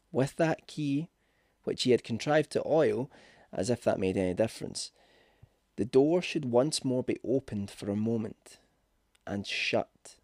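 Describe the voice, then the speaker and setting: A man reading a scripted ghost story as narrator, with measured, dramatic delivery. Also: medium pitch, darkish tone, dry recording, clean studio sound. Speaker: audiobook narrator.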